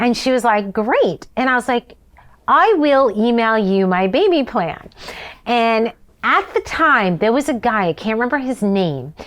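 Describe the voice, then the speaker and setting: A woman with an ordinary speaking voice talks at a fairly high pitch and a fairly slow pace. Her intonation is lively. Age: 40s. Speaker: maternity and newborn photographer. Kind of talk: interview.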